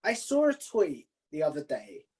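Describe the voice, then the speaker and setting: A man's voice: a little high, huge pitch swings, moderate pace, mellow, slightly rough. A man hosting a casual interview in an informal, conversational way. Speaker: interview host.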